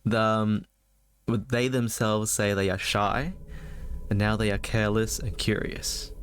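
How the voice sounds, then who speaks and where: A man's voice: on the low side, fairly even intonation, unhurried, fairly bright tone, a little hiss or hum. A man giving casual, wry live commentary as he streams a horror game, with game music behind him. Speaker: streamer playing a horror visual novel.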